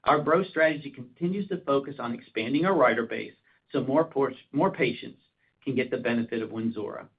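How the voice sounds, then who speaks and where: A man's voice: mid-range voice, brisk. A man, a senior executive, reading a scripted commercial update for an earnings call in a formal, businesslike way. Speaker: chief operating officer. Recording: narrowband phone conference line.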